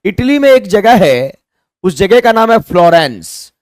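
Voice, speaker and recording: Man, Indian accent, high voice, lively rising and falling pitch, live online class teacher. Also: measured pace, dry recording, studio quality. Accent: Indian, Hindi-speaking. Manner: mixes Hindi and English, asks viewers to comment answers; spells words letter by letter. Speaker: English teacher.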